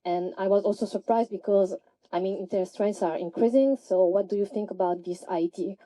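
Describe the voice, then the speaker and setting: A woman's voice: mid-range voice, brisk, mellow, low-quality recording. A woman in a conference audience politely putting a question to the speaker in a conversational way. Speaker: audience member asking a question.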